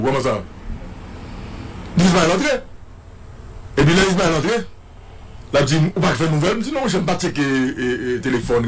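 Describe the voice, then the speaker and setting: A guest commentator with a Haitian French accent gives a dramatic, repetitive eyewitness account, mimicking the sounds he heard. His voice is fairly high, with a little hiss or hum in the audio.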